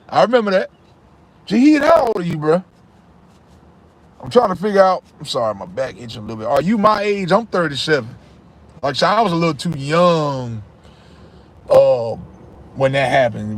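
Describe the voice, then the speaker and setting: Laid-back chatty man in his thirties. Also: mid-range voice. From Charlotte, North Carolina. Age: 30s. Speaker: livestream host. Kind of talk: casual live chat reading comments.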